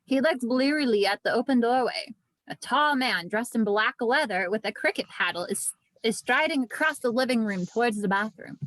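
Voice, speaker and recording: A woman's voice: fairly high pitch, animated, normal speed, a bit bright, no room sound, poor audio. A woman narrating scripted stage directions at an amateur table read.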